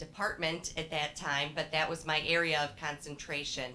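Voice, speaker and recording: With a Midwestern American accent, a woman speaks at a very deep, low pitch in a bright, sharp tone and fairly even intonation. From Cleveland, Ohio. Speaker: business alumna, panelist. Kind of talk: panel discussion.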